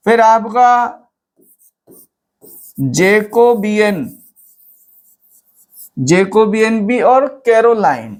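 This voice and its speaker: A teacher giving an exam-prep literature lecture. They ask students questions, then answer them in repetition. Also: mid-range voice.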